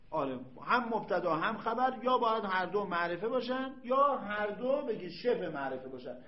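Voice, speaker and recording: A man's voice: a little high, roomy sound, highs cut off. A man teaching a grammar class, reading passages aloud and then explaining them while quizzing his students. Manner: quizzes students with questions, reads Arabic text then explains. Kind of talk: classroom lecture.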